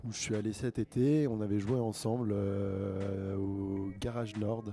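Low, mellow man chatting on radio. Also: measured pace. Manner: relaxed, chatty storyteller with fillers. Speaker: guest, producer and label manager. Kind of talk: casual radio interview. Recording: music playing faintly behind.

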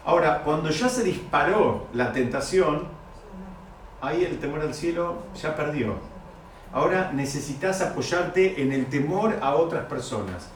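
A man teaching a Talmud story to students, animated and repeating key phrases. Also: a little high, unhurried, slight background noise. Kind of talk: lecture to students. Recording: echoey room, mic far off.

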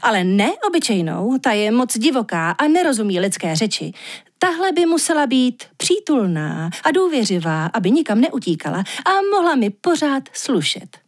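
Woman playing a vain, chatty young woman. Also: very animated. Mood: fussy. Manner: higher, eager, fussy voice.

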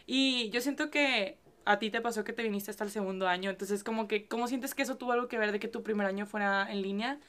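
A young woman hosting a podcast, chatty and expressive in casual conversation. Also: medium pitch, fast, few pauses. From northern Mexico. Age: young adult. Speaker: podcast host.

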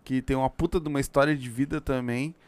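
A man with a southern Brazilian gaúcho accent co-hosting a casual chat, slangy and excitable, swearing often. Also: mid-range voice, fast, crowd noise. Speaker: podcast co-host.

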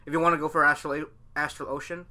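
Bright-voiced man in casual anime chat. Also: on the high side, little pitch movement, fast talker. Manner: rambling, repeats phrases while explaining.

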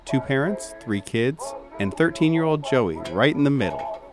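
A man's voice: medium pitch, animated, moderate pace, over music. A man narrating a roleplayed audio drama as game master, in a dramatic storytelling style.

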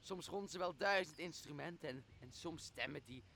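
A gravelly island creature acted by a young man speaks in a radio play. He is dreamy and servile, with a plotting streak. His voice sits fairly high, with faint noise behind it. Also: moderate pace, sharp tone. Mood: dreamy, soothing. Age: young adult. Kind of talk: Dutch audio drama of Shakespeare.

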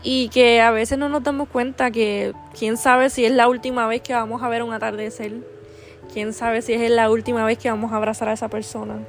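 Female podcast host, higher voice, affectionate and earnest devotional delivery, quiet music bed. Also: level tone, fairly quick. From Puerto Rico. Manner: earnest and affectionate, with constant "¿verdad?" tags and restarts. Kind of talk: heartfelt devotional talk.

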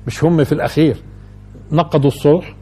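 A man's voice: fairly high pitch, steady tone, quick pace, mellow, slightly rough, soft background music. A man teaching a colloquial Quran lesson, who keeps asking his audience rhetorical questions. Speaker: religious teacher.

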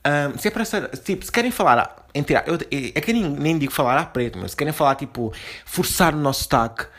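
A man's voice: fairly high pitch, expressive, fast talker, fairly bright tone. A young man from Portugal, hosting a podcast from home in a slangy, casual monologue full of fillers and restarts. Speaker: podcast host. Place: home room.

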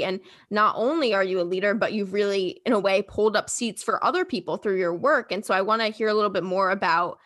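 A woman's voice: medium pitch, fairly bright tone. A woman interviewer who affirms her guest and asks open follow-up questions. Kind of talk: conversational interview.

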